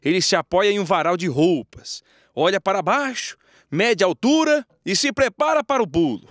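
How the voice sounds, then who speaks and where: A man's voice: high voice, expressive, moderate pace, fairly bright tone, no echo, studio quality. A man narrating news footage in a playful scripted way, with jokey asides to viewers.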